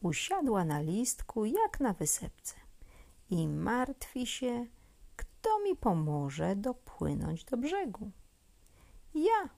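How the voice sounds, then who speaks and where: A woman reading a children's story aloud in a gentle, expressive way, often dropping to a near whisper. Her pitch rises and falls widely, she takes her time, and her voice has a gravelly edge. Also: slow.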